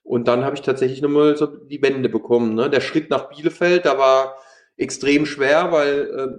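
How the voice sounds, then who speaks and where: Male, 30s, Palatinate German accent, ex-footballer in interview, halting delivery, roomy echo. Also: medium pitch, fairly even intonation. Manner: hesitant, many fillers and restarts. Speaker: former pro footballer, youth coach. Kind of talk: interview, casual talk.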